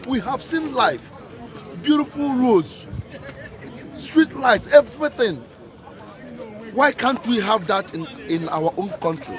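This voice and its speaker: Man, high voice, rallying a street protest, faint crowd behind. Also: fairly bright tone. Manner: repetitive, emphatic rhetorical questions. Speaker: protest speaker. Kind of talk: impassioned outdoor protest speech.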